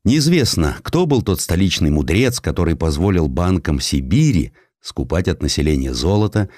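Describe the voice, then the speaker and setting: A man's voice: deep voice, sing-song, moderate pace, darkish tone, no echo, studio quality. A man narrating a historical sketch as an audiobook, in a theatrical and wry storytelling manner.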